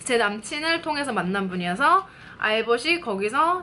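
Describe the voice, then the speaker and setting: A woman speaks in a fairly high voice with a bright, sharp tone. Her pitch swings very widely. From South Korea. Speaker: vlogger. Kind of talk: casual storytelling vlog.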